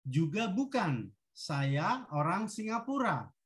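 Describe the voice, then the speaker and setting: A woman teaching a language, reading short model sentences in a deliberate, instructional manner for repetition. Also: fairly low pitch, big pitch swings.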